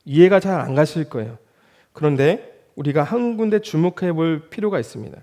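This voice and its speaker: A man in his thirties preaches in a church, his voice sitting a little higher than most men's. He works as a junior pastor and keeps turning to the congregation with rhetorical questions. His loudness climbs for emphasis and falls back to a near murmur. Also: lively intonation, brisk. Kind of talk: sermon.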